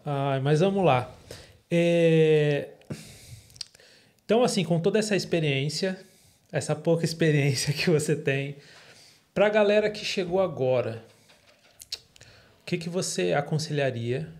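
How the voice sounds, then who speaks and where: A Brazilian man with a Brazilian Portuguese accent hosting a podcast, asking his guest questions in a relaxed, laughing way. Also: fairly high pitch, unhurried, pauses often. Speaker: podcast host. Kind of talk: casual interview.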